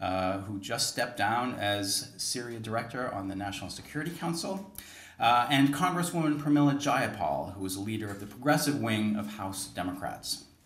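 In a room with audible echo, a man with a fairly low pitch speaks at a moderate pace with lively intonation. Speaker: institute director. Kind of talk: formal introduction. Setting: stage with audience. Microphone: podium.

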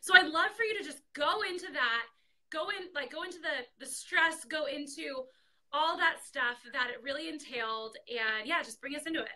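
In a raised, projected voice, a woman talks with lively intonation and big swings in loudness. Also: moderate pace. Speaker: live show host. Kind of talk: casual live chat introduction. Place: home room. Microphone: webcam.

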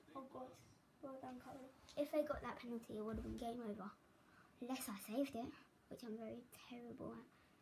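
Over noticeable background noise, a woman with a high pitch talks at a very fast pace with fairly even intonation, broken by long, frequent pauses. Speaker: video game YouTuber. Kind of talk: casual gaming commentary. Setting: gameplay recording voiceover. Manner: rambling, halting, filler-heavy. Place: home room. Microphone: phone near.

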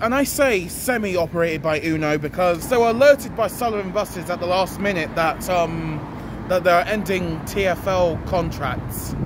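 A man's high-pitched voice at a moderate pace, with ordinary pitch variation, a dry sound free of echo, and noticeable background noise. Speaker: bus enthusiast vlogger. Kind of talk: casual vlog chat. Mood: amused, animated. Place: street. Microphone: phone near.

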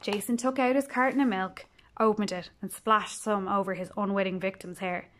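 Fairly quick and medium in pitch, a woman speaks with an Irish accent. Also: ordinary pitch variation. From Ireland. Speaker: library storyteller reading aloud. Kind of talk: bedtime story reading aloud, scripted narration. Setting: library. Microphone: phone near.

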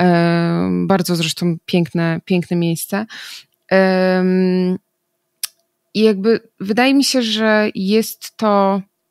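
At a very slow pace, a woman speaks with medium pitch, ordinary pitch variation and very even loudness, leaving long, frequent pauses. The sound is dry with no echo, over a quiet background. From Poland, Opole region (Krapkowice); Poland. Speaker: journalist. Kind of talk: casual interview. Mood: reflective, relaxed. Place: home room. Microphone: studio mic.

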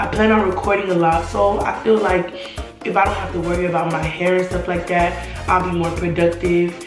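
Against clear background music and audible room echo, a woman speaks at a fairly low pitch and moderate pace with a monotone, flat intonation. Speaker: nail student vlogger. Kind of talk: casual vlog chat. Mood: relaxed, chatty. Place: home room.

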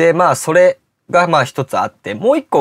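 A man at a moderate pace with very wide pitch swings, against a quiet background. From Kanagawa, Japan. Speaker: vlogger. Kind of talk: casual vlog chat. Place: home room.

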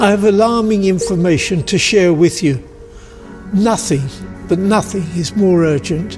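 Clear music plays in the background as a man speaks at a moderate pace with long, frequent pauses. His voice is high-pitched with ordinary pitch variation. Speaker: social scientist. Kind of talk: direct address to camera, advocacy talk. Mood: grave, urgent. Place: garden. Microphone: lapel.

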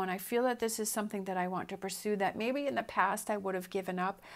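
A woman's fairly quick speech with ordinary pitch variation. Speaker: tarot reader. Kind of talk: tarot reading commentary. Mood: warm, encouraging. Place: home room. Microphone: phone near.

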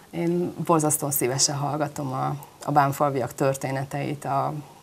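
The voice moves at a fairly slow pace with ordinary pitch variation over light background noise. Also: woman. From western Hungary, Sárvár; Hungary. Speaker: pastor; interview guest, pastor. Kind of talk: interview. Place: studio. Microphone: lapel.

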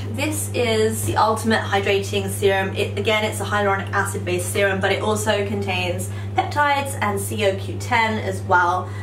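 A woman's very deep, low voice with hardly any pauses, over noticeable background noise. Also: moderate pace. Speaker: beauty blogger. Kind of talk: product review tutorial. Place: bathroom.

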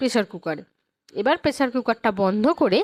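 The pitch swings very widely in a dry, close recording with no echo. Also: woman, very clean recording, silent background. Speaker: cooking vlogger. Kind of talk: cooking tutorial. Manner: halting, many pauses.

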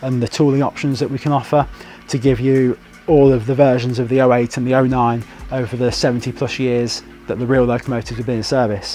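A man at a fairly quick pace, monotone and flat in intonation, with faint music in the background. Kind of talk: product presentation. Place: shop. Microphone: lapel.

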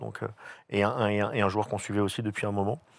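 A man's fairly low voice against a quiet background, with a dry sound and no echo. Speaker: football coach. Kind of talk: interview.

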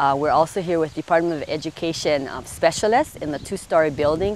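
With an ordinary speaking voice, a woman talks at a moderate pace and a fairly low pitch with ordinary pitch variation, the sound dry with no echo over light background noise. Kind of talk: interview answer. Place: open country. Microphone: lapel.

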